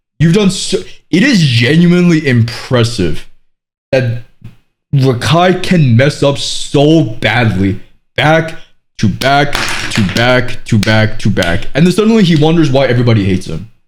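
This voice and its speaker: Delivered at a fairly slow pace with very wide pitch swings, the animated voice carries audible room echo. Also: man, fairly high pitch for a man. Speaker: streamer reacting to videos. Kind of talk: casual reaction commentary.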